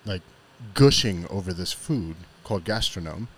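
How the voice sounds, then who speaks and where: A man's voice: deep voice, animated, moderate pace, breathy edge. A man hosting a podcast on location, chatting casually in a rambling, jokey, informal way. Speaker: podcast host. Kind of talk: casual chat. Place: on location at an eatery.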